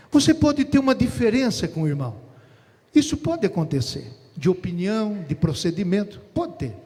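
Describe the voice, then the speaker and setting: A Brazilian pastor preaching a sermon in a large church, with quiet joking asides and rhetorical questions that build to shouted climaxes. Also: male voice, high-pitched. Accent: Brazilian Portuguese. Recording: echoey church hall.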